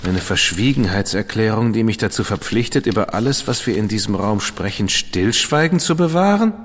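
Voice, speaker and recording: An actor playing a witty, defiant dandy with a sarcastic, cheeky manner. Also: male voice, fairly low pitch, animated, in a large hall. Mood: sardonic. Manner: sarcastic, quick-witted, cheeky. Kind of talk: radio play acting.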